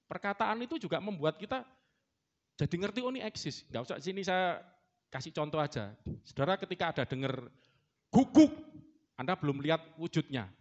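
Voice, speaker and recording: Playful preacher, lively voice. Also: male voice, on the high side, fairly quick, lo-fi sound. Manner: playful, joking with the congregation and imitating animal sounds. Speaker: pastor. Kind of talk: sermon. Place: church hall.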